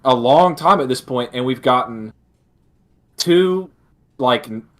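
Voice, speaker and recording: A man with an average-pitched voice talks as a podcast co-host. He is casual and opinionated, sounding exasperated as he restates his points. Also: animated, slow pace. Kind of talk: casual opinionated pop-culture discussion.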